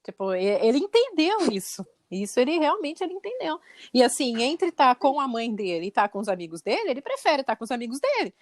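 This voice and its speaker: A woman guest on a podcast retells a story about her son in casual, lively chat. Her voice sits a little high, and she acts out the back-and-forth of the conversation as she goes. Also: fairly quick, no room sound. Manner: animated retelling, acting out dialogue.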